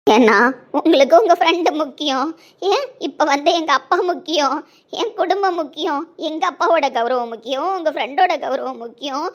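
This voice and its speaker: A woman playing Keerthana, high-voiced pleading lover. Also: brisk, natural voice. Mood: reproachful. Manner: pleading, repeats herself insistently. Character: young woman in love, desperate and hurt. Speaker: lead character in an audio drama. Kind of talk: emotional Tamil audio-drama acting.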